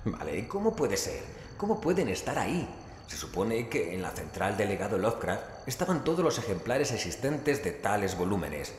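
An actor playing a bewildered, agitated investigator in a horror audio drama. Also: male voice, lowish voice. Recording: echoey hall with faint noise.

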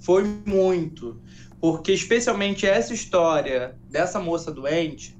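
Gentle storytelling man, slightly raised voice. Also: fairly high pitch, takes it slowly. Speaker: guest, educator and storyteller. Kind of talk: studio interview, telling a folk tale.

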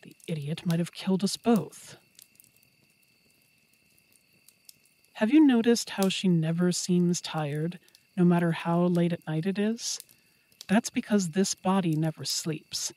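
A woman's voice: on the low side, measured pace, dark tone, dry recording, close to an everyday voice, low-quality recording. A woman playing a playful, possessive werewolf girlfriend in an intimate roleplay audio, talking to the listener in a teasing, affectionate way. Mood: confiding.

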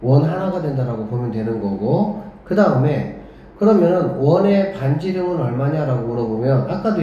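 A man's voice: on the high side, dark tone, slight background noise. A man teaching a math lesson at the board who keeps checking in with rhetorical questions and murmurs as he draws. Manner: talks while drawing on the board, murmuring along. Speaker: academy director teaching math. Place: classroom. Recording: echoey classroom on a dull lo-fi mic.

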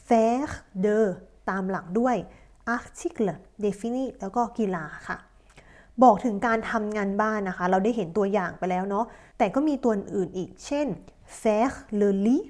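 A Thai woman teaching a French lesson, slowly reading out model sentences and explaining each one politely. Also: mid-range voice, a little mellow. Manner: slow, drawn-out model sentences, polite particles. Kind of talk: language lesson explaining verb conjugation.

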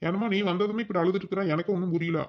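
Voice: medium pitch, fairly even intonation, very fast, a little hiss or hum, natural voice. A voice actor playing a mild old village grandfather who placates his family in a comedy cartoon. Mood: puzzled. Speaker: cartoon character. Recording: dull lo-fi sound.

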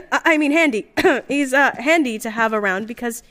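A woman's voice: fairly high pitch, moderate pace, fairly bright tone, no room sound, lightly acted. An actress playing a chirpy, earnest, polite young woman on a science team, gushing and easily flustered, in an audio drama. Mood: fond, flustered. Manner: bubbly, gushing, hesitant when flustered. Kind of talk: audio drama, recorded diary.

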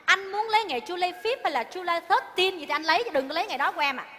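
A woman's voice: very high voice, animated, rapid-fire, pushed and bright, heavily acted. An actress playing a nagging restaurant-owner wife in a stage comedy sketch, scolding her husband theatrically. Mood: complaining. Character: bossy nagging Vietnamese-American restaurant wife. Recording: reverberant stage hall.

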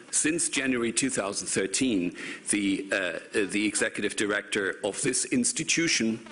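A man's voice: lowish voice, fairly bright tone, slight background noise. A man, moderating a conference panel and introducing speakers with many ums and restarts. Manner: hesitant, many fillers and restarts. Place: large conference hall, seated at panel table. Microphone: table microphone.

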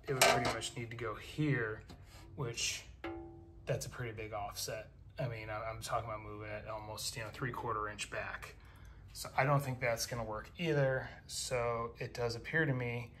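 A man's voice: medium pitch, fairly bright tone, slight background noise. A man narrating his car build in a casual work vlog, matter-of-fact and full of ums and uhs, filmed on a phone in his garage. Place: home garage.

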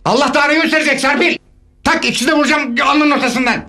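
A man's voice: very high voice, racing, noisy background. A blustering, hot-tempered father. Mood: angry. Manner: blustering, exasperated. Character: hot-tempered middle-aged man, father of a runaway daughter. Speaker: father worried about his daughter. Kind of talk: sitcom acting.

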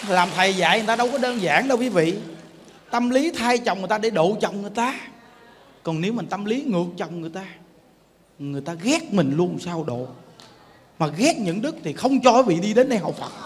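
A man's voice: sits high, bright, forceful tone. A man with a Southern Vietnamese accent, a Buddhist monk giving a sermon in a colloquial, joking way and often asking his listeners questions. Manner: colloquial and joking, peppers talk with questions to the audience. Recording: long hall reverb, faint background noise.

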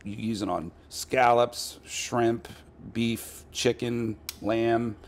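A man's voice: medium pitch, extremely slow. A middle-aged man, a chef, casually talking through a recipe at a pub bar with plenty of ums and uhs. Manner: relaxed, many ums and uhs. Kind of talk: casual cooking demo.

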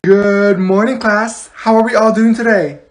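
A woman acts out a schoolteacher in a classroom comedy skit. She is bossy and falsely cheerful, talking to her class in an exaggerated sing-song that can turn snappy. Her pitch sits in a medium range. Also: moderate pace, lightly acted. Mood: perky, chirpy.

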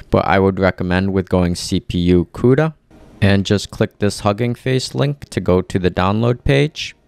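Male tutorial presenter, deep register, clean resonant tone, methodical step-by-step delivery, dry close recording. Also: darkish tone, no room sound. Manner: clear, methodical instructing. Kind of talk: step-by-step software tutorial voice-over.

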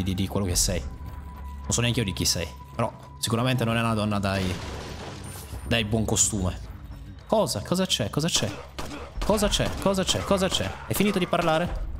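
A young man giving let's play commentary over a game, excitable, swearing at and mocking enemies, his voice jumping into sudden high yelps. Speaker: gaming YouTuber.

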